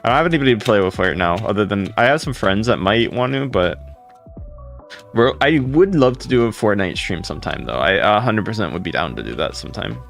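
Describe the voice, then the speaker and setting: Deep gravelly-voiced male streamer. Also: lively intonation, a little fast, a bit bright, soft background music. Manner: rambling, greets viewers by name. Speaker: livestreamer. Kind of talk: casual livestream chat with viewers.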